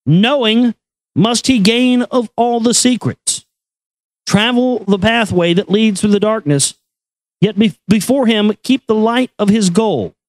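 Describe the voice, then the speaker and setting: A man giving a solemn, measured reading of an esoteric text in an incantatory, deliberate manner. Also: high voice, dry recording, poor audio. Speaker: reader and commentator. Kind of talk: solemn recitation of an esoteric text with brief asides.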